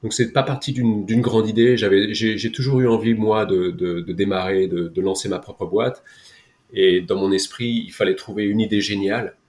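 Low-voiced middle-aged Frenchman, hesitant. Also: steady tone, moderate pace, a little mellow. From France. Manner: hesitant, repeating words as he goes. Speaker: interview guest, tech company co-founder. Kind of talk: casual interview account.

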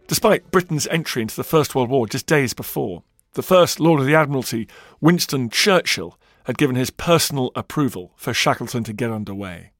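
Guy reading history narration, dry close studio sound, soft music under. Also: mid-range voice, expressive, dry recording. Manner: measured storytelling that slows for emphasis. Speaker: documentary narrator.

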